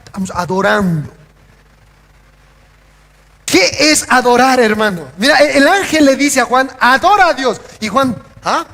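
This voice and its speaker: A pastor preaching to his congregation, his voice pitched very high. He keeps asking the listeners questions and acts out short scenes in changing voices. His words ring out through a reverberant church hall. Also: creaky, a bit bright. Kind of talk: sermon.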